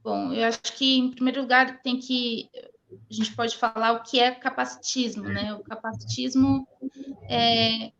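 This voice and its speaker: A woman with a Brazilian accent speaking as an interview guest, conversational and halting, often stumbling over her words. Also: fairly high pitch, steady tone, gravelly, a bit bright. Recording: dull, lo-fi online audio.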